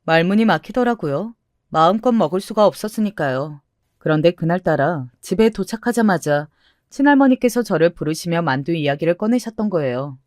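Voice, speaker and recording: A woman reading a first-person story aloud, steady and confessional, with a somewhat low voice. The recording is close and dry with no room echo. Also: brisk. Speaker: story narrator. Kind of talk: storybook narration.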